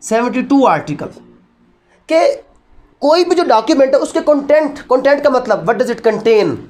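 A man's voice: very high voice, big pitch swings, measured pace, darkish tone. A man with a Pakistani accent giving a didactic law lecture, mixing in English terms and answering his own questions.

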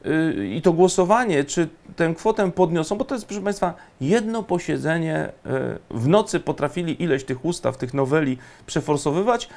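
A man giving indignant, emphatic political commentary, often pausing on fillers. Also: on the high side, animated, gravelly, darkish tone.

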